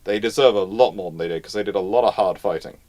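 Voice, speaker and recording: A man's voice: on the low side, quick pace, a little mellow. A man hosting a live question and answer session, talking informally and knowledgeably, often restarting and repeating his phrases. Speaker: host answering audience questions. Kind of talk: live Q&A, casual history talk.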